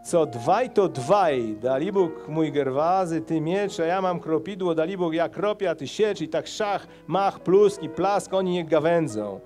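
A man's voice: fairly high pitch, lively intonation, a little slow, hardly any pauses, a little mellow, soft background music, pitched above the performer's own voice. A man voicing a boisterous male nobleman who is eager for a fight, speaking with jaunty relish, in a dramatic poetry reading.

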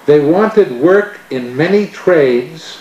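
An older man reads slowly in short, clear chunks, his voice pitched a little high. The recording is dull and lo-fi, with room echo and faint hiss. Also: animated, mellow. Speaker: researcher reading text. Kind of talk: reading a passage phrase by phrase. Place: small lab room indoors. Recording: old dull videotape with echo.

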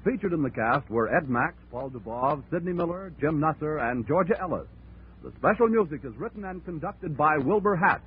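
A man's voice: on the high side, animated, fairly quick, background noise. An American man reading scripted announcements in a 1940s radio announcer style. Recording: narrow-band 1940s radio recording. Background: music.

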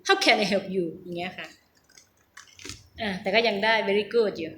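A middle-aged Thai woman with a mid-range voice talks at a moderate pace in a casual vlog about practicing her English pronunciation. She hesitates, repeats words, and laughs at herself. The room is echoey with a faint hum.

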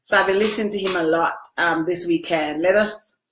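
A woman's voice: fairly low pitch, fairly even intonation, brisk, fairly bright tone, a little hiss or hum. Sniffly chatty woman on a webcam. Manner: chatty, emotional, addresses viewers by name. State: sniffly after crying. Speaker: livestream host answering viewers. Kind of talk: casual live video chat. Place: small room at home, indoors. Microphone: webcam at close range. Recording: echoey room.

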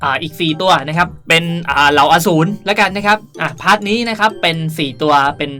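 Young male gaming host, bright delivery, playful and chatty tutorial commentary over light music. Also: fairly high pitch, fast. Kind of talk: casual game tutorial commentary.

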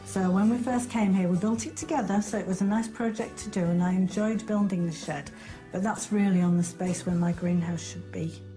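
A woman in her fifties from Leeds, reflective and soft-spoken in an interview at home, on a lapel mic. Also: medium pitch, steady tone, brisk, faint music behind. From Leeds, England. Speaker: house-hunting guest. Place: indoors at home, living room.

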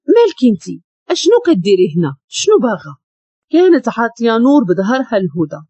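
A woman with a Moroccan accent narrating a dramatic story in an expressive reading. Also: mid-range voice, breathy edge, no echo. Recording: dull lo-fi dry recording.

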